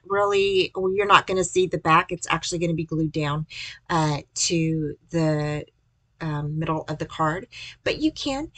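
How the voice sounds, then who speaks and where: A woman's voice: lowish voice, pushed and bright, dry recording. A woman giving casual, chatty step-by-step instructions in a folksy way, as the host of a craft tutorial.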